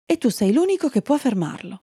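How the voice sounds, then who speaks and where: A woman's voice: on the high side, very animated, a little fast, mellow, slightly rough, no echo, studio quality, voice pushed up. A woman doing an outspoken young unicorn girl. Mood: earnest.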